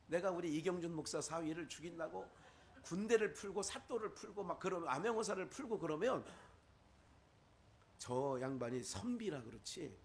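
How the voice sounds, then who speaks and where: Male pastor, Chungcheong Korean accent, sermon, high voice, lively swings in pitch. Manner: lively preaching with rhetorical questions and quoted asides.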